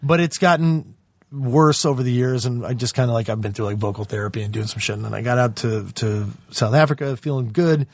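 A man with a raspy, hoarse voice who swears freely while he tells laid-back stories. His tone sits in the middle range and sounds dry and close. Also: mid-range voice, a little fast, dry recording. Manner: profane, laid-back storytelling. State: hoarse from a throat injury. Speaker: actor guest. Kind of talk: casual podcast chat.

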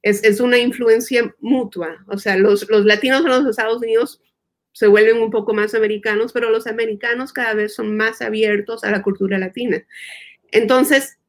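A woman's voice: on the high side, steady tone, moderate pace. A woman interviewee who lives in the United States, explaining her ideas thoughtfully, repeating words as she thinks and slipping in English terms. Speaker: guest expert. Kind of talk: conversational interview.

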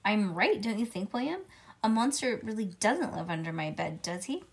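A woman voicing an excitable, pushy little schoolgirl who talks in insistent, rambling bursts. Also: mid-range voice, normal speed, creaky.

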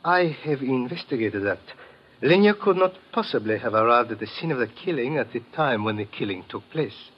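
Man playing authoritative police lieutenant, formal, guarded, expressive mid voice, 1950s radio drama, muffled recording. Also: mid-range voice, a little hiss or hum, natural voice. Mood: stern, formal. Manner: formal, measured, controlling. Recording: dull old radio recording.

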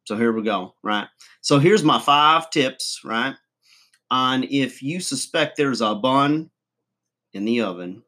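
A folksy redneck guru rambles through a comic advice show, as a man plays him. He chuckles, trails off and mangles big words. His voice sits at an everyday middle pitch. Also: expressive, takes it slowly, pushed and bright. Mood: boastful rambling. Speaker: comedy channel host. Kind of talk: comic monologue to camera.

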